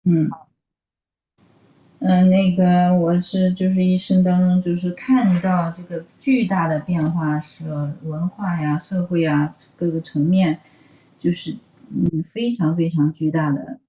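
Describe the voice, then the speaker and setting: A woman who is a native Mandarin speaker, interpreting informally and a bit haltingly as she searches for words. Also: on the low side, fairly even intonation, reverberant, highs cut off. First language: Mandarin Chinese. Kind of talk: consecutive interpreting in informal talk.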